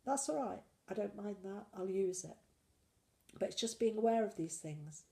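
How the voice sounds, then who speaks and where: A woman's voice: mid-range voice, expressive, normal speed, gravelly, mellow. A woman with a cold chatting in a casual weekly diet vlog, rambling and self-deprecating. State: full of cold. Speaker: slimming vlogger.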